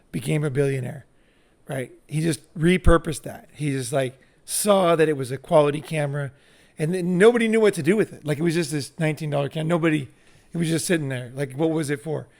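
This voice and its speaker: A man telling lively anecdotes in casual talk, peppered with "like" and "you know" and some swearing. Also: fairly high pitch, gravelly. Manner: animated anecdotes, profane, lots of 'like' and 'you know'. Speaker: group member telling stories. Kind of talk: casual storytelling.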